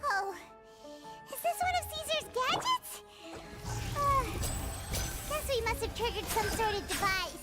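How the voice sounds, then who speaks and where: A woman voicing a tiny, childlike, curious fairy companion in a video game, squeaky, over game music. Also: expressive, unhurried, pauses often. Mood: surprised, curious. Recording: loud game music underneath.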